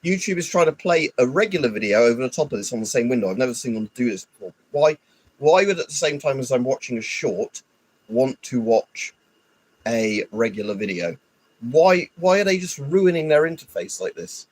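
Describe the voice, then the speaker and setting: A man's voice: medium pitch, lively intonation, moderate pace, darkish tone, slightly rough, rough recording. A man rambling and grumbling through a casual live stream, stuffy with hay fever and swearing often. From United Kingdom. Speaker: livestreamer.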